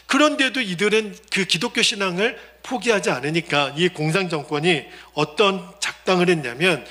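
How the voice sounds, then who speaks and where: A male pastor preaching a sermon in church, telling a story with animated delivery and quiet, lowered voices for quoted speech. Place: church sanctuary.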